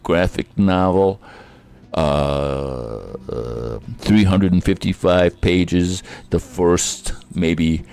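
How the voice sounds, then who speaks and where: A man hosting a casual livestream, jokey and quick to laugh at his own lines. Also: low voice, vocal fry, darkish tone. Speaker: livestream host.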